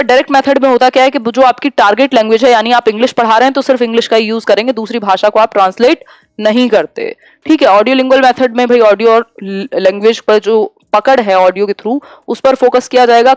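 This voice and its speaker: A young woman lectures students through an exam-prep lesson. Her voice sits fairly high and sounds dry and close to the mic, with no room around it. She reads each question slowly, then explains it with English terms mixed in. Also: clean tone, no echo. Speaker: teacher.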